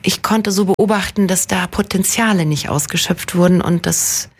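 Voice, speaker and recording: A woman's voice: on the low side, normal speed, husky. A woman in her forties from Munich, an actress chatting as a radio guest, reflective and self-deprecating, wandering through her thoughts with plenty of fillers. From Munich, Germany. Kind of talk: casual conversational interview.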